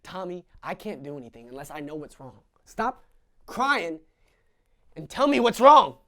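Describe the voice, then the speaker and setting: An actor voicing a harsh, short-tempered father within a stage monologue, barking gruff orders that rise into shouting. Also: a little high, very animated, normal speed. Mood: stern.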